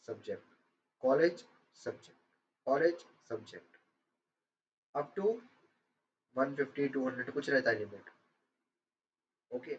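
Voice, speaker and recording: With lively intonation and a fairly high pitch, a man speaks at a very slow pace, leaving long, frequent pauses. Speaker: pharmacy exam mentor. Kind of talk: online strategy session. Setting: live recorded online session.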